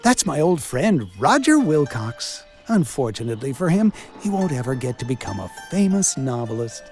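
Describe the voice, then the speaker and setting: An actor voicing a sardonic, wisecracking village doctor and coroner in a video game, with a theatrical delivery. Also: male voice, mid-range voice, very animated, moderate pace, darkish tone, soft background music. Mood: sarcastic. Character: sarcastic village doctor and coroner, self-styled man of science. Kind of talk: video game character acting.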